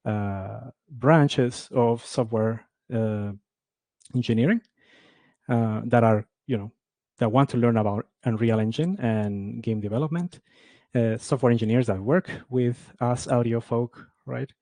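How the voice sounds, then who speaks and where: A man's voice: medium pitch, unhurried, mellow, no room sound. A man from Ecuador giving a conference talk on game audio, speaking with many fillers and restarts.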